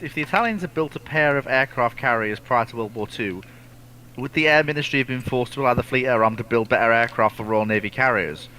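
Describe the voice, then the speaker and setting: A man's voice: medium pitch, pushed and bright. A man co-hosting a casual chat and reading questions aloud, with noise behind him. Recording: clearly noisy background.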